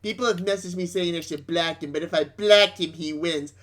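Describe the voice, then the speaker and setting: A man's voice: fairly high pitch, fairly quick, a bit bright. A man reading social media posts aloud to friends, dramatising them with exasperation and swearing.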